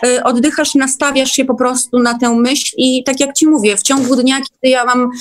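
High-voiced woman chatting casually. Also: steady tone, moderate pace. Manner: informal, checks that the listener follows. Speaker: guest at an online meeting. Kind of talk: casual chat.

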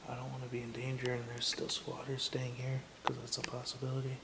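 Indoors in a big abandoned house, a young man films an exploration vlog, talking fast in a mid-range monotone. Awed and jumpy, he alternates between calling out and whispering. His handheld camera mic picks up faint hiss and the echo of bare rooms.

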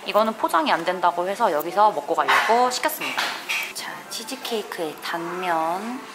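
A young woman giving a casual, expressive food review to camera as she tastes, with a playful manner. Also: lowish voice, normal speed, echoey room, very noisy. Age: young adult. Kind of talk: casual review chat to camera while tasting baked goods. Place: small living room at home, also a cafe. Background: background music.

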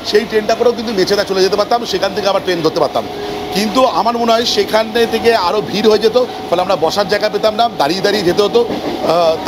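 A man giving a casual travel vlog, chatting and explaining things to viewers and companions. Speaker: travel vlogger. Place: aboard a local train. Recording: noisy train ambience. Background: train and vehicle rumble.

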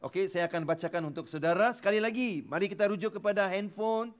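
A man with a Malaysian accent preaching a sermon in church, mixing in English words and swinging between loud bursts and soft asides. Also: high-pitched, quick pace. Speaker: pastor. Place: church hall.

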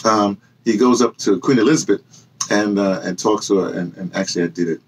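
A man in his sixties speaks in a fairly deep voice with a rough, husky grain. He rambles casually like a channel host sharing memories, circling back and rephrasing himself as he goes. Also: brisk, low-quality recording. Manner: digressive, self-correcting storytelling. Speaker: host of a personal memoir channel, audio dramatist. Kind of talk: casual rambling monologue to camera. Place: small indoor room with bookshelves and hung clothes.

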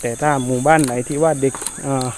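A man talking casually to viewers in an explanatory vlog, hesitant and repetitive, with many drawn-out filler pauses. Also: mid-range voice, fairly even intonation, darkish tone. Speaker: soldier vlogger addressing viewers. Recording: noisy outdoor recording with insect ambience.

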